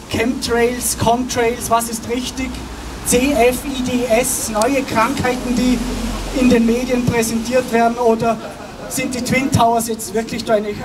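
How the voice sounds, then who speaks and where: A middle-aged man with a Vorarlberg Austrian dialect gives a chatty public talk at an outdoor rally, asking the crowd questions over a handheld mic. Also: extremely high pitch. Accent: Vorarlberg Austrian German dialect. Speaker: guest speaker, author. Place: outdoor city square. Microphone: handheld mic, filmed from afar. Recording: distant with outdoor street noise.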